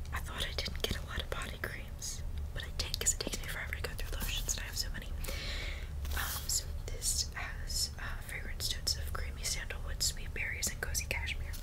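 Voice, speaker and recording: Whispering, a woman speaks at a fairly quick pace. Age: 20s. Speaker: ASMR creator. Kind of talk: ASMR product haul, casual talk to camera. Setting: bedroom filming with tapping and water sounds. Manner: soft-spoken, rambling. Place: home room.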